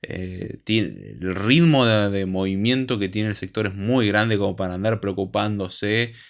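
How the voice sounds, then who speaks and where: A man with an Argentine Spanish accent and a fairly low voice, talking frankly about programming like a teacher chatting with students. His delivery is casual and explanatory, and he leans on everyday comparisons to make a point. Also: lively intonation, unhurried, creaky. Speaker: programming educator.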